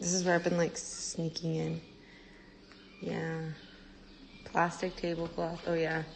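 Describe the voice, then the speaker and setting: Over light background noise, a woman with a fairly low pitch talks at a fairly slow pace in a monotone, flat intonation, with long, frequent pauses. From Mexican-American family, bilingual. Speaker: livestreamer. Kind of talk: casual live stream chat. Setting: family ranch in Mexico, phone livestream. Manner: low energy. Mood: relaxed, chatty. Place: home room. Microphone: phone near.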